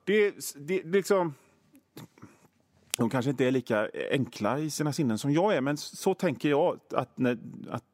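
Radio guy rambling and joking at himself, kinda high voice, dry close studio mic. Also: expressive, a little mellow, dry recording. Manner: rambling, self-mocking, many fillers and restarts. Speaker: radio host. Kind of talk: comic radio monologue.

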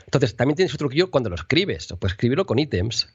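Un locutor de radio español explica con entonación muy viva y cambiante, algo afónico. Su voz suena seca y cercana, sin eco de sala. La grabación es algo apagada, de banda estrecha. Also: male voice, mid-range voice, fast talker, slightly rough, dry recording, dull audio. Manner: lively, teaching with mock intonation examples. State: losing his voice, sipping water. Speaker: radio broadcaster and voice teacher. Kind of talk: conversational interview.

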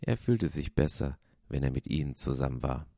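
A man with a low, mellow voice reads a children's story aloud. He tells it expressively, as a pastor would to listeners. The recording is close and dry. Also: animated, normal speed, gravelly, dry recording.

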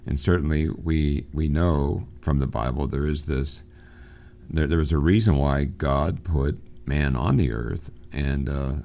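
Man, very deep voice, mellow tone, literature lecture, unhurried, lots of fillers and restarts. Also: vocal fry. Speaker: literature teacher. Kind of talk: recorded lecture program.

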